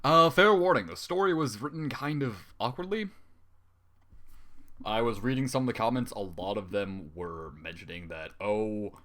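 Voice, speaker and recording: A man who reads fanfiction aloud narrates a fan story in a lowish, slightly bright voice with lively intonation at normal speed. Between passages he bursts into exasperated, swearing comic reactions.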